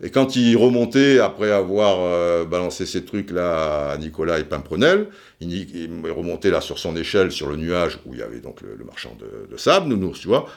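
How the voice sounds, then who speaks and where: A man's voice: sits low, animated, moderate pace, vocal fry. A man in his forties from France, hosting a podcast and telling a long personal story in a chatty, digressive way with many fillers and restarts. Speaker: podcast host. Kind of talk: casual storytelling monologue.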